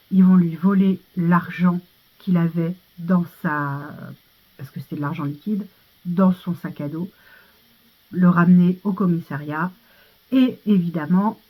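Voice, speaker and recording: French woman vlogger, casual and rambling, slow delivery, phone-quality recording. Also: lowish voice. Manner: chatty, many fillers and restarts. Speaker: vlogger reviewing monthly favourites. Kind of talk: casual chat. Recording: tinny phone-like sound.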